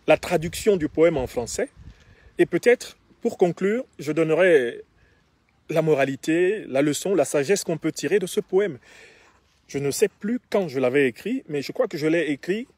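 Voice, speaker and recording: A man from Cameroon, a philosopher addressing his audience in a measured, deliberate way, and later reciting a poem with a chanted refrain. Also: a little high, a little mellow, no room sound. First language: Bassa. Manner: measured and deliberate, with repeated phrases.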